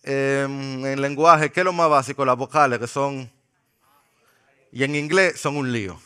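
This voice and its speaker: A man preaching a sermon in a church, playful and joking with the congregation, slowing down to stress key words. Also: medium pitch, fairly even intonation, pushed and bright, smooth. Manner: slows for emphasis on key words. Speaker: pastor. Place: church sanctuary.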